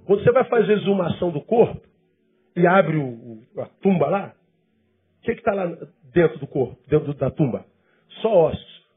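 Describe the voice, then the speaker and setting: A man's voice: high voice, lively intonation, normal speed, narrow, tinny audio. A male pastor giving a conversational sermon full of rhetorical questions.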